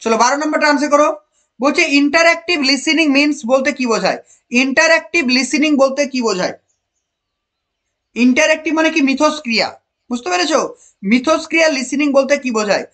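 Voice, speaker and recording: High-voiced teacher quizzing students. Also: quick pace, a bit bright. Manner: asks the class questions, repeats key answers; praises students by name. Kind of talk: online exam-prep lesson.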